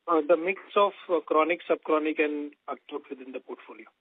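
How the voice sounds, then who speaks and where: A man's voice: fairly high pitch, brisk. A man asking polite, formal questions as an analyst on an earnings call. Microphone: phone. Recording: narrow, dry phone line.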